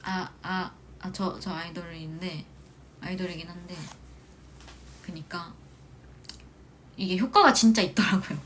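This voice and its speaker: A young woman in her twenties, an idol hosting a casual livestream from a small room at home, chatting and telling animated stories. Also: lowish voice, a little slow, pauses often, a little hiss or hum. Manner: chatty, animated storytelling with shouted quotes. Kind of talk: casual livestream chat reading comments.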